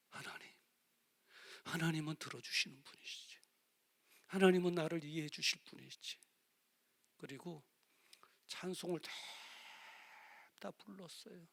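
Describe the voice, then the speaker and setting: A man delivers a passionate sermon as pastor, his voice high-set for a man and edged with gravelly fry. He swings between forceful exclaiming and hushed, near-whispered passages, asking the congregation direct questions.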